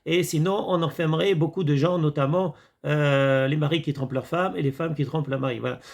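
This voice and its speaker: Male commentator, gravelly and fairly high, rambling and hesitant, chatty monologue to viewers. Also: steady tone, brisk, a little mellow. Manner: rambling, hesitant with many fillers, addresses viewers as friends. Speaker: video commentator. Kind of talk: casual monologue reviewing a series.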